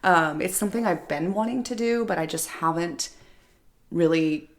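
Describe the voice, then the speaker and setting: A middle-aged woman co-hosting a podcast, hoarse and raspy from a recent bug, talking loosely with lots of fillers. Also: on the low side, normal speed. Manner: rambling, filler-heavy, winging it. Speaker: podcast co-host. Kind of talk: casual chat.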